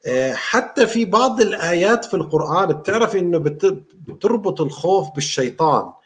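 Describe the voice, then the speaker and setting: A man's voice: high-pitched, animated, brisk. A male host who agrees and reflects aloud, searching for his words. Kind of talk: conversational interview.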